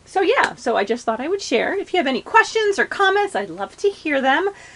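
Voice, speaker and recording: Her extremely high voice swings very widely in pitch as this woman talks at a fairly quick pace. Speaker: papercraft video maker. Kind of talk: craft show-and-tell. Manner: fast.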